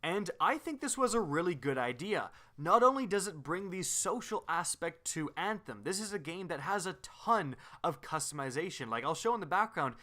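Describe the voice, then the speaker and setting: Game video presenter: man, fairly high bright voice, upbeat and explanatory voice-over. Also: animated, normal speed, few pauses. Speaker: gaming video host.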